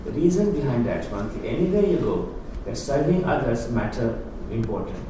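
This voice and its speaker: In a noisy, echoey hall, with the mic some distance away, a man lectures an audience on Hindu philosophy as a guest speaker. His medium pitch is very animated at a moderate pace, and he explains earnestly in simple, non-native wording.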